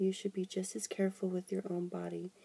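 Soft-spoken and somewhat breathy, a woman talks in a gentle tone that is dark and mellow. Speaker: ASMR reader. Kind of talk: ASMR soft-spoken children's book reading. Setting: recorded from inside a blanket fort. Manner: soft-spoken, gentle. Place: home room. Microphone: phone near.

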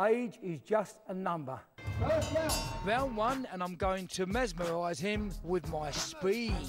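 With clear music in the background, a man speaks very slowly at a high pitch with lively intonation. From Britain. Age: 70s. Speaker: amateur boxer. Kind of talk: TV feature narration and talk. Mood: playful bravado.

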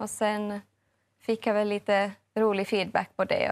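A woman at a moderate pace with a Finland-Swedish accent, on a very clean recording with a silent background. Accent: Finland-Swedish, little changed. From Finland, Swedish-speaking, Ekenäs. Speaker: singer-songwriter. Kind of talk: TV interview.

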